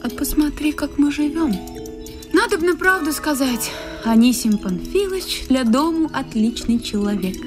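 A woman's voice: high-pitched, lively intonation, normal speed. An actress in a radio play voicing a smug, materialistic young married woman, condescending and coaxing. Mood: scornful. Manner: condescending, coaxing, self-satisfied. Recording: music behind the voice.

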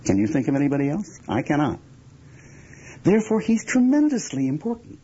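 A man giving reflective interview answers in deliberate, emphatic, measured phrases. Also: fairly high pitch, wildly swooping pitch, mellow, husky. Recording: dull lo-fi recording with background noise.

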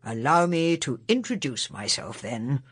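A woman voicing a calm, gently mocking young man, the new Doctor, speaking in a low, easy, amused drawl. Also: a little slow, breathy edge, dry recording, full character voice.

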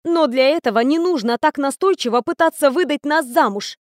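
A woman's voice: high voice, a little fast, no room sound, studio quality, natural voice. A woman voicing an indignant young woman mage. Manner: loud, exasperated protest.

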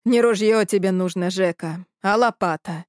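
A woman voicing a stern old village man with a gruff, folksy way of talking. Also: medium pitch, normal speed, no room sound, clean studio sound, natural voice.

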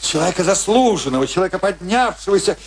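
Напыщенного капитана, голос высоковатый, очень переливчатый. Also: male voice, high-pitched, lively intonation, quick pace, slight background noise. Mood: excited, gushing. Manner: theatrical, self-important, swinging between gushing and bitter. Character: pompous, sentimental, ailing island commandant, a captain and father. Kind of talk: radio play acting.

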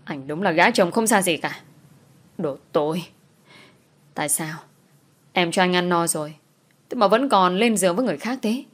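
A woman's voice: fairly low pitch, moderate pace, pauses often, natural voice. A woman voicing an angry, jealous young wife who breaks into furious, tearful outbursts in an audio story.

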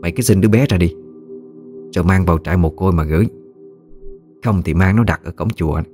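A man's voice: sits low, fast talker, darkish tone, faint music behind, close to an everyday voice. A man putting on a scheming harsh old aunt. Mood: scolding. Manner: scolding, harsh, wheedling.

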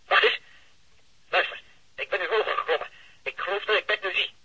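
An actor playing an alert police lookout reporting urgently through a walkie-talkie filter in a radio drama, with a rough voice. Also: male voice, high voice, a little fast, bright, forceful tone, full character voice. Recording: dull, crackly walkie-talkie sound.

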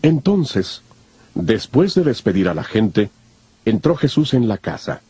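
A male narrator with a deep-leaning, very husky voice delivers scripted scripture narration. His intonation rises and falls widely, with soft music behind him. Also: very animated, a little slow. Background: faint music.

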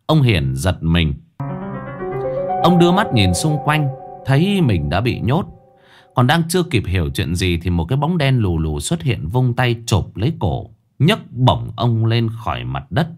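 A man's voice: lowish voice, huge pitch swings, unhurried, faint music behind. A man narrating a ghost story in a dramatic storytelling manner.

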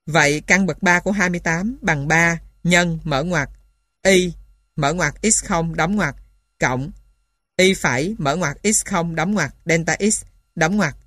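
A woman's voice: lowish voice, measured pace, fairly bright tone, no room sound, clean studio sound. A woman reading a textbook aloud in a dictating manner, spelling out each item piece by piece as scripted narration. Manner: dictating, spelling out formulas and punctuation symbol by symbol. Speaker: reader of a mathematics textbook.

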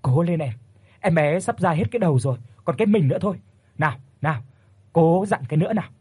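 A man's voice: a little high, animated, normal speed, a little mellow, breathy edge, dry recording, studio quality. A man voicing a frantic middle-aged village woman who delivers a baby, urgent and pleading. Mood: urging.

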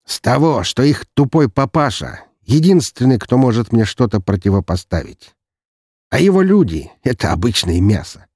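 A man's voice: mid-range voice, big pitch swings, moderate pace, a little mellow, breathy edge, dry recording, clean studio sound, voice pushed up. A man voicing a cruel young nobleman's son who talks in a lazy, mocking, menacing way in an audiobook.

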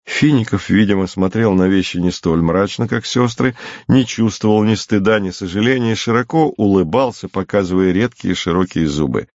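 A man narrating an audiobook in a calm, measured storytelling manner. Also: fairly low pitch, dry recording, lo-fi sound. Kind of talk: scripted narration.

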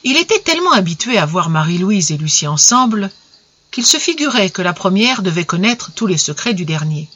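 A storyteller reads an old tale at an even, measured pace, giving the lines gentle expression. The recording is dull and lo-fi, with a muffled top end. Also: medium pitch, husky. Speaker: narrator. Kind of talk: audiobook story reading.

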